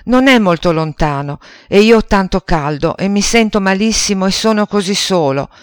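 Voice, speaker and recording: A man's voice: high voice, animated, moderate pace, clean tone, no room sound, voice pushed up. A man voicing a small, lonely, unhappy boy in a storybook reading, pleading in a tearful way.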